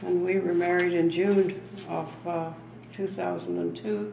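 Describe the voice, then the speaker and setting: A woman speaks fairly slowly with a Canadian accent. Room echo is audible in the recording. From Ontario, Canada. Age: 80s+. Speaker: oral history interviewee. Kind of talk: oral history interview. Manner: halting.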